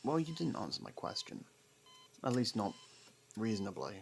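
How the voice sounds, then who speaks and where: A man playing a sardonic, guarded ex-prisoner who reluctantly worries about a partner, in a halting, intimate ASMR roleplay monologue. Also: lowish voice, sing-song, vocal fry, slight background noise. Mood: guarded, concerned.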